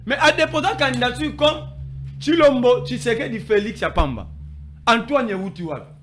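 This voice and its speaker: Congolese-accented male street commentator, higher register, swinging intonation, argumentative. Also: expressive, normal speed, a bit bright, slight background noise. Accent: Congolese French. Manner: emphatic, code-switching, argumentative. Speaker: political commentator. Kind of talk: animated street political debate.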